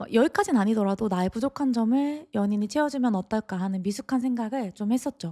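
The dark, mellow voice races along at a very fast pace with hardly any pauses and ordinary pitch variation. The recording is very clean and dry, close-sounding with no echo and a silent background. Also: woman, fairly high pitch for a woman. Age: 30s. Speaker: fitness trainer and former teacher. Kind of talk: personal vlog monologue.

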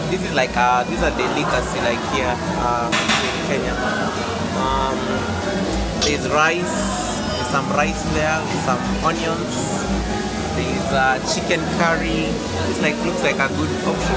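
Long, frequent pauses break up the speech while loud music plays in the background. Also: fairly slow pace. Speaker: food vlogger. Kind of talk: casual vlog commentary. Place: hall. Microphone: phone near.

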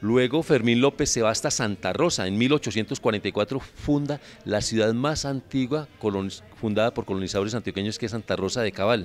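A plain, everyday voice: a man at medium pitch and moderate pace, with ordinary pitch variation. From Colombia, coffee region (Manizales). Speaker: travel agency representative. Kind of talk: interview.

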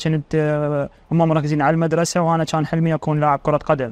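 The sound is dry with no echo as a man speaks at a moderate pace in a fairly high pitch. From Iraq. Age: 30s. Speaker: footballer. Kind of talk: interview. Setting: studio. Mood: reflective, recalling hardship. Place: studio.

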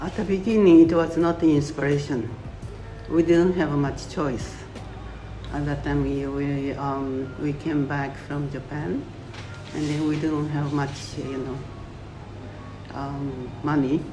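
With music playing behind her, a woman with a very deep, low voice speaks very slowly and fairly evenly, leaving long, frequent pauses. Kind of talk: interview answer. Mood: calm, reflective.

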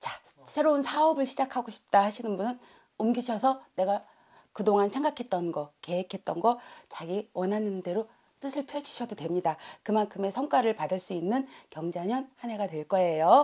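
A woman's dark, mellow tone carries lively intonation. She speaks at a moderate pace over a quiet background. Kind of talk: fortune-telling commentary to viewers. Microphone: lapel.

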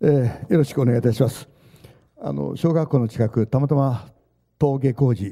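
Against a quiet background, a man talks at a moderate pace in a medium pitch. His tone is dark and mellow, with ordinary pitch variation. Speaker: city council member; council committee member. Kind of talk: committee questioning. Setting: council committee room. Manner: hesitant fillers. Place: meeting room. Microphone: handheld.

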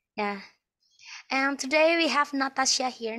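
A woman speaks with an Indonesian accent. Her pitch variation is ordinary. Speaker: university lecturer. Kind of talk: event hosting.

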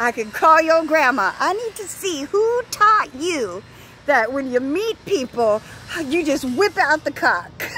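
Raised and projected, a woman's high, animated voice moves at a fairly slow pace with very wide pitch swings, its dry sound free of echo over light background noise. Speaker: video blogger. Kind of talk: angry rant. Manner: sarcastic, incredulous; animated, scolding, laughing between lines. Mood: amused, mocking, exasperated. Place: street. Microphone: phone near.

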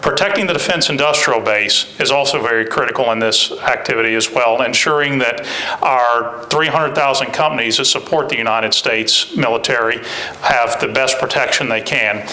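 A man talks at a moderate pace, and his pitch varies in an ordinary way. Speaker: senior defense IT official. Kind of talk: interview. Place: studio.

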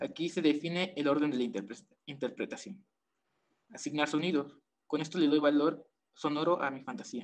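This man's voice sits fairly high, with ordinary pitch variation. He talks at a fairly quick pace, broken by long, frequent pauses. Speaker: music student. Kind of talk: reading a prepared text, then discussion; presentation of own creative method. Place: home room. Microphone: video call.

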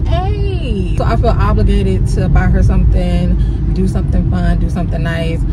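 Loud background noise surrounds a woman's voice, which sounds dry with no echo. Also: moderate pace, hardly any pauses. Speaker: vlogger. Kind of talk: casual vlog chat. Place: car.

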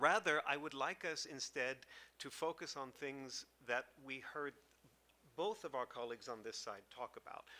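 Bright and sharp in tone, a man's voice has a fairly high pitch and ordinary pitch variation. He keeps a moderate pace. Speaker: international development agency adviser on faith engagement; panelist. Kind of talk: panel presentation. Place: meeting room. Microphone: podium.

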